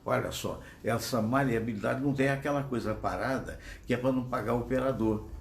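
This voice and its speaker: A man with a Brazilian Portuguese accent hosts a live show, chatting digressively and addressing his audience directly while using a phone as his microphone. His casual commentary comes in a mid-range voice, fairly quick, with vocal fry and a little hiss or hum.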